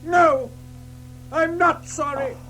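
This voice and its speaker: A man playing an excitable, boastful, stubborn toad in a children's audio drama, spluttering and blustering. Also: very high voice, slow, faint music behind, full character voice, low-quality recording. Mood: defiant.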